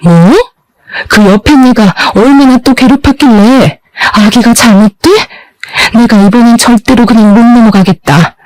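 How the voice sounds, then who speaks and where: A woman voicing a blunt, protective middle-aged aunt in a narrated story, talking briskly and indignantly. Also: on the high side, no room sound, natural voice, poor audio.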